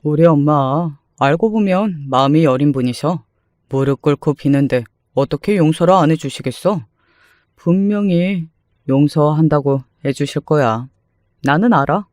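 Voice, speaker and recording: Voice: medium pitch, measured pace, a little mellow, no echo, clean studio sound, natural voice. A narrator voicing a young husband in an audio story, coaxing and a little dismissive. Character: young husband, placating, blind to his wife's hurt.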